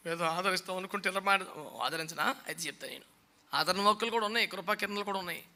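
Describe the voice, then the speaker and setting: A man's voice: high voice, fast talker, bright, forceful tone. A male pastor preaching a sermon, scolding and mocking his listeners with rhetorical questions and mimicking the people he quotes.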